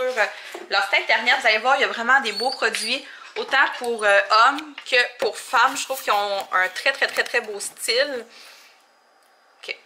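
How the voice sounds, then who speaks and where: A young woman with a Québécois French accent, chatting casually in a vlog, often laughing and filling pauses. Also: on the high side, sharp tone, slight background noise. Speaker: vlogger.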